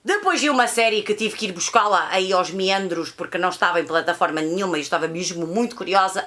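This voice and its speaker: A woman with a European Portuguese accent talks through her monthly viewing in a relaxed vlog. She rambles, circles back and repeats herself, scattering fillers. Her voice sits fairly low. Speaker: vlogger reviewing films and series. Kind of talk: casual monthly recap vlog.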